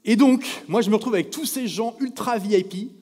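A man from France speaking to a live audience from a stage, telling anecdotes in a lively way and acting out the people he quotes. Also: high-pitched, brisk, husky. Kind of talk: storytelling talk to a live audience. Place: stage in a large event hall. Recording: echoey hall reverb.

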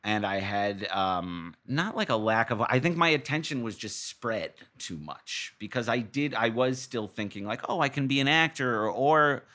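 An American man in his thirties from Massachusetts, telling his own stories as an interview guest in a casual, animated, self-deprecating, jokey way. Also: medium pitch, normal speed, hardly any pauses. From Massachusetts, USA. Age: 30s. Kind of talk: casual conversational storytelling.

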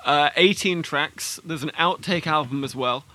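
Bright-voiced man interviewing a band. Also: fairly high pitch, dry recording. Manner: friendly, with a dry wit and halting, self-correcting questions. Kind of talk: interview hosting.

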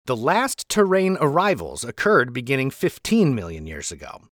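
A man's voice: medium pitch, huge pitch swings, normal speed, a bit bright, dry recording, studio quality. A man hosting a podcast, reading a history narration with chatty asides. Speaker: podcast host and author.

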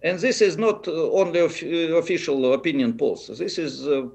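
A man with a Russian accent answers as an interviewee. His voice sits a little high for a man and has a gravelly creak. He is a non-native speaker who searches for words while laying out political analysis. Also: moderate pace, a little mellow.

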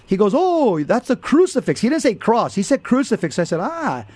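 A man's voice: extremely high pitch, big pitch swings, normal speed, darkish tone, no echo. A man co-hosting a Catholic radio talk show, telling stories and teaching in an earnest, emphatic way.

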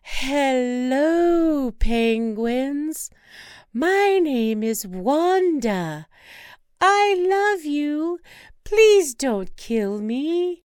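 A woman voicing an excitable, gushing wife who loves penguins. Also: sits high, extremely slow, no echo, studio quality, pitched above the performer's own voice, exaggerated voice. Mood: excited. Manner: gushing, squealing, giddy. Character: excitable penguin-loving middle-aged wife.

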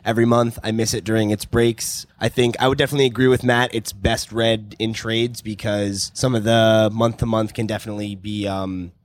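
A man's voice: lowish voice, flat delivery, brisk, few pauses, dry recording. A man co-hosting a comics podcast, giving a rambling, casual recommendation full of jokey asides. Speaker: podcast co-host. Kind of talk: casual group chat.

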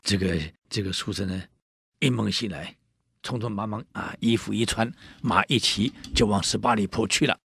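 Gravelly man telling a folk tale. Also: fairly low pitch, normal speed, no room sound, clean studio sound. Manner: lively, chatty, with asides to listeners. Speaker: storyteller. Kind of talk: casual oral storytelling to an audience.

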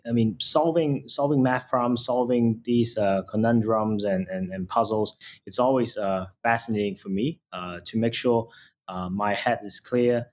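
A man's voice: medium pitch, darkish tone, a little hiss or hum. Hesitant male founder from Hong Kong. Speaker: startup founder guest. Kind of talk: interview answers.

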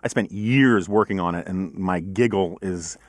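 A middle-aged man with a deep, low voice rambles through a casual podcast chat, full of ums and uhs and a giggly laugh. He is self-deprecating and loose. The sound is close and dry, with no room around it. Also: moderate pace, dry recording. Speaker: podcast host.

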